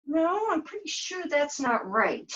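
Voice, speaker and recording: Woman as a flustered girl, high and swooping. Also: big pitch swings, unhurried, a bit bright, lo-fi sound, heavily acted. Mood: nervous, protesting. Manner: hesitant, dithering, exclamatory. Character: flustered, forgetful young female dishwasher on a quest. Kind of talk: puppet show character acting.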